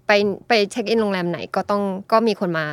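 A woman's voice: medium pitch, a little fast, dry recording. A woman from Thailand, chatting casually as a podcast guest and telling things piece by piece in colloquial speech. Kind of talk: casual chat, storytelling.

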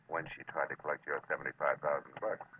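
A muffled, noisy vintage radio recording carries a hard-boiled American male detective. His voice is low and his delivery wry and clipped, in the weary manner of a 1940s radio private eye. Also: little pitch movement, fast talker. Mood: wry, probing. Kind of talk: 1940s radio detective acting with first-person narration.

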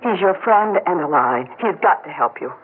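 A woman's voice: fairly low pitch, lively intonation, normal speed, natural voice. An actress playing a worried wife urging her husband in a 1950s radio drama, pleading and urgent. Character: anxious devoted wife, middle-aged. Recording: narrow-band old radio broadcast, faint hiss.

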